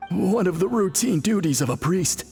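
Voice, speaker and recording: An actor playing a dutiful, courteous tribal priest in an anime game, speaking formally and earnestly with a husky voice. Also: male voice, sits high, lively intonation, moderate pace, darkish tone, faint music behind. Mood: helpful.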